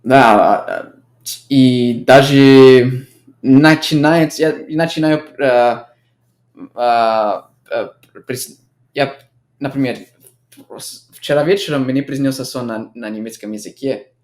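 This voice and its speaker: Young american guy, english native, chats in quick bursts, keeps restarting, medium voice. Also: medium pitch, darkish tone. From United States. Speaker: guest. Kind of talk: casual conversational chat.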